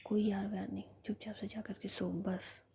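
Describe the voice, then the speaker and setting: A woman's voice: medium pitch, little pitch movement, moderate pace, vocal fry, warm tone, husky. A woman whispering the lines of a teasing, playful young woman who bosses her partner around. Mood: teasing refusal.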